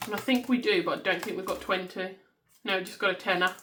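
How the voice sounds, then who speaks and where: A woman in her thirties with a Black Country accent talks loudly and casually at her home desk, rambling as she counts notes into envelopes. Her pitch sits in an ordinary middle range. A faint hiss lies under the recording. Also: quick pace. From West Midlands, England. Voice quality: loud voice. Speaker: budgeting vlogger. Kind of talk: casual chat while counting cash.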